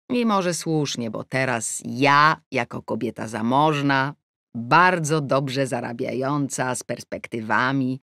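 Female audiobook narrator, wry and ironic, unhurried, very lively pitch, dry booth sound. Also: no echo. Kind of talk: first-person audiobook narration.

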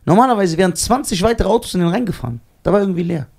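A young man from Germany telling a story on a casual podcast, animated and laughing at himself as he acts out the voices of the people in it. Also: sits high, rapid-fire, gravelly. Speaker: podcast co-host.

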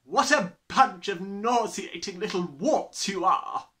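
A man voicing a gigantic, tyrannical headmistress in an audiobook, barking with slow, emphatic disgust and contempt. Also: extremely high pitch, very animated, bright, forceful tone, pitched above the performer's own voice, full character voice.

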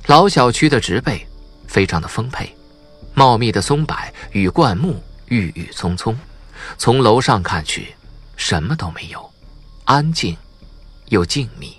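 Expressive male audiobook narrator, slightly husky. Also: mid-range voice, unhurried, soft background music. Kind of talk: scripted dramatic novel narration.

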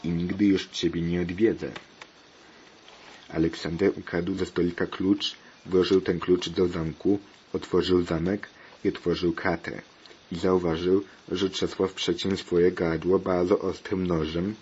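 A man's voice: sits low, flat delivery, measured pace, darkish tone. A man reading a homemade story aloud in a plain, repetitive way, on a dull lo-fi recording with faint hiss.

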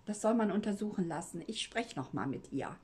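A woman voicing a concerned older woman friend in a spoken story, soft and hesitant. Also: medium pitch, lively intonation, brisk, breathy edge.

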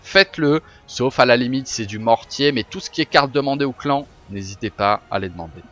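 A man streaming a card-pack opening, chatting casually with his viewers, swearing and getting excited. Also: medium pitch, brisk, dull audio, soft background music. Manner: excitable, swears, talks to chat. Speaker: gaming streamer. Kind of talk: casual game commentary.

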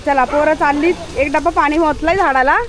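High-pitched woman scolding her dog on a phone vlog, lots of noise and barking behind. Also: fairly even intonation, fairly quick. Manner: scolding and shooing the dog, loud calls. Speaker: vlogger. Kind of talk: casual pet vlog.

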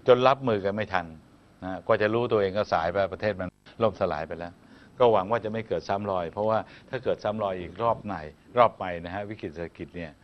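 A man with a lowish voice walks through a news story in steady, explanatory commentary. He keeps a measured, conversational tone. The recording sounds dull and lo-fi. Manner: measured, explanatory, frequent polite particles. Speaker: news talk show co-host.

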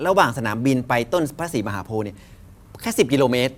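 A man who is a cultural scholar, calmly explaining and telling his story as a guest in a television studio interview. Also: mid-range voice, quick pace, a loud crowd.

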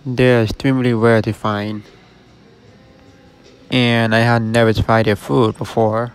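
A vlogger covering closed stores narrates a relaxed look at a shuttered restaurant from outside its shopping center storefront. He addresses his audience in a clean, mid-range, level voice at a measured pace, with faint outdoor traffic in the background.

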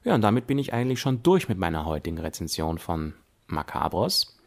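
Podcast reviewer: male, Austrian accent, lowish pitch, emphatic and deliberate delivery. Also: very animated, vocal fry. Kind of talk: spoken audio drama review.

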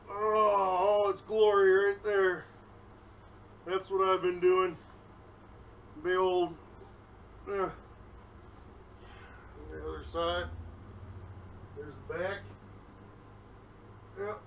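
A man's voice: sits high, flat delivery, very slow, long pauses, slight background noise. A man rambling candidly in a casual solo vlog, recording himself on a phone at home, a little out of breath. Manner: rambling, candid, self-deprecating. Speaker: vlogger. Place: his home. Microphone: phone camera, recording himself.

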